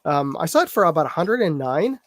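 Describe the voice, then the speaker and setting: Male host with a cold: stuffy, slightly high voice, dry close mic, rambling casual live-stream patter. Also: very animated, a little fast, fairly bright tone, dry recording. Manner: rambling, conversational, chatty asides to viewers. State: congested from a cold. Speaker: live chat show host.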